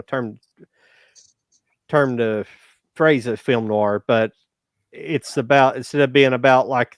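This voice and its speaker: A man hosts a relaxed film podcast and lays out his thoughts at length, weighing each point as he goes. His voice sits at an ordinary pitch for a man. The recording is dry, with almost no room sound. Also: dry recording. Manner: explains at length, reflective. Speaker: podcast host. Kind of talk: casual movie podcast chat.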